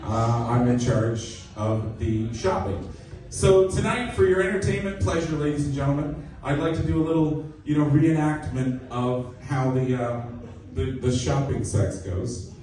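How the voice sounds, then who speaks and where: A young man from Canada doing a self-mocking, deadpan stand-up set in a comedy club, with lots of "you know". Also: mid-range voice, unhurried. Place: comedy club stage, live audience. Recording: echoey club recording from a distance. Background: audience laughter.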